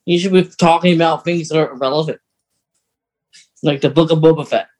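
A man's voice: fairly high pitch, fairly even intonation, brisk, darkish tone. A man co-hosting a podcast in casual, chatty conversation, explaining things like an enthusiast. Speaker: podcast co-host. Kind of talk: casual chat.

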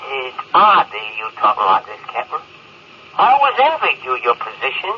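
A man's voice: medium pitch, wildly swooping pitch, moderate pace. A man playing a plain-spoken, loyal, respectful spaceship crewman in 1950s radio drama style. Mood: resigned, respectful. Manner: folksy, respectful. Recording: tinny, noisy 1950s radio recording.

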